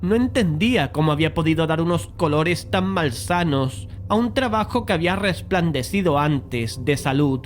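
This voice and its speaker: An actor as a measured painter narrating horror. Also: male voice, a little high, expressive, soft background music, lightly acted. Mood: measured, uneasy. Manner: measured, literary storytelling. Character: male painter narrating, easily frustrated, polite and self-blaming. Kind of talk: dramatized audiobook horror narration.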